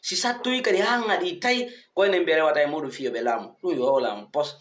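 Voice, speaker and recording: Male online commentator, higher-pitched voice, emphatic and questioning, roomy echo. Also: fast talker, a bit bright. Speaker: online commentator addressing followers. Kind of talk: informal commentary monologue to followers. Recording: echoey untreated room.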